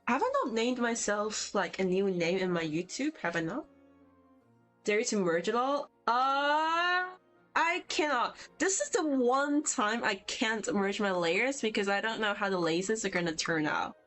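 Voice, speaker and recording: Young woman, Cantonese speaker, chatty art streamer, mid-pitched voice, faint music behind. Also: animated, a little slow, a bit bright. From Hong Kong. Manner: chatty and rambling, answers viewer chat as she works. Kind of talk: casual livestream chat while drawing. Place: at home on vacation. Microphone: poor-quality mic.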